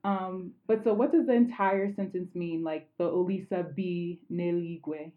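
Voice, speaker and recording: Female student, lower pitch, careful repeater of phrases; tinny call audio. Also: fairly even intonation, measured pace. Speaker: language learner. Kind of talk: casual language lesson.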